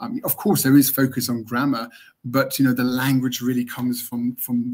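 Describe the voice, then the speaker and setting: A man with a British accent at a moderate pace. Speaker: English teacher. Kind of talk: webinar interview.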